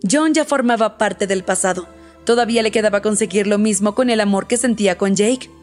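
A woman narrating a romance audiobook in a smooth, even storytelling manner. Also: mid-range voice, fairly quick, soft background music.

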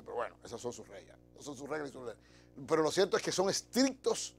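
A man's voice: fairly high pitch, creaky. A middle-aged man with a Dominican accent, hosting a TV show with an emphatic, conversational monologue to camera. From Dominican Republic. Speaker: TV show host. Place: TV studio. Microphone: lapel mic.

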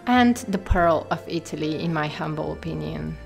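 A woman's voice: sits low, normal speed, vocal fry, music in the background. A woman vlogger narrating her trip in an enthusiastic, admiring way, with some "um" fillers. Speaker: travel and beauty vlogger. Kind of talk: travel vlog voice-over narration.

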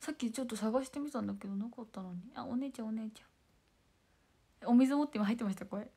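A young woman chatting casually with viewers on a livestream, bubbly and quick to giggle. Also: a little high, warm tone, breathy edge. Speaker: idol livestreamer.

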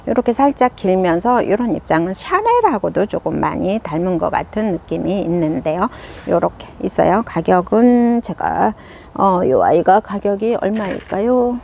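A woman's voice: medium pitch, vocal fry, darkish tone, slight background noise. A woman hosting a casual succulent showcase, gushing and exclaiming over how pretty each plant is. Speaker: succulent shop video host.

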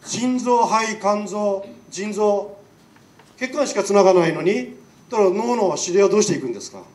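High-voiced man with a Nagasaki accent. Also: moderate pace, a little mellow. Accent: Nagasaki dialect. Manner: chatty, rhetorical questions to the audience. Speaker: lecturing doctor. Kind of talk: public lecture. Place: lecture hall. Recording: echoey hall, mic far off.

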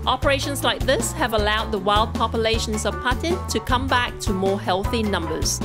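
A woman's voice: fairly high pitch, moderate pace, music in the background. A woman hosting a travel food show, chatty and upbeat as she tastes dishes. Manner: upbeat, chatty, talks with mouth full.

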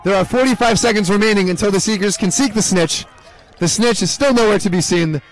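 Young man, high voice, sports commentator, deadpan joking asides, live play-by-play. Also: brisk, faint music behind, low-quality recording.

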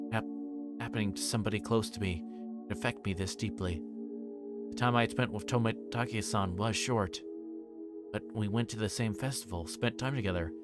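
A man livestreaming a visual novel, moving between quiet reading aloud and halting, casual chat. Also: on the low side. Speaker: livestreamer playing games.

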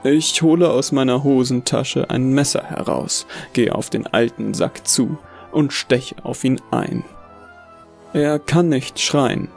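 A male actor narrates as a bitter, deluded Santa in a horror story. His mid-pitched voice is gravelly and brooding, full of contempt, with music underneath. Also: darkish tone. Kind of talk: dramatic first-person horror narration. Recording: music behind the voice.

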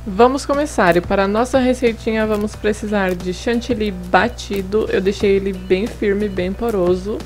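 A woman's voice: medium pitch, normal speed, few pauses, darkish tone, faint music behind. A young woman hosting a home cooking video, chatting through each step and adding friendly tips in a voice-over. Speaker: cooking channel host. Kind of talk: casual recipe demonstration. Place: home kitchen table.

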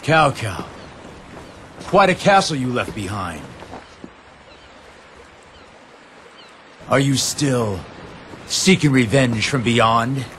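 A man's voice: medium pitch, animated, slow pace, a bit bright, a little hiss or hum. A man voicing a bold, eager young invading general in a video game cutscene dub, calling out brash rallying orders. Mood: taunting.

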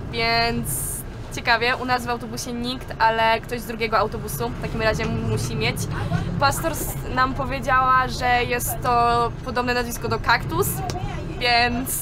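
A woman chatting casually with quick, lively reactions. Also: a little high, background noise. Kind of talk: casual chat.

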